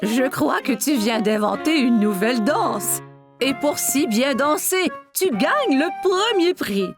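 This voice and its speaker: A gentle cartoon grandmother with a fairly high voice. She is playful and encouraging, speaking over prominent music. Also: animated, takes it slowly, exaggerated voice. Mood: encouraging, affectionate. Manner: encouraging, affectionate. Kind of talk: children's cartoon voice acting. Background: background music.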